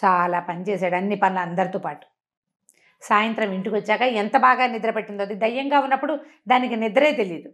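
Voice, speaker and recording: A storyteller with a mid-range voice tells a children's tale with a moral, speaking quickly in a lively, conversational way. She slips into the characters' lines of dialogue as the story unfolds.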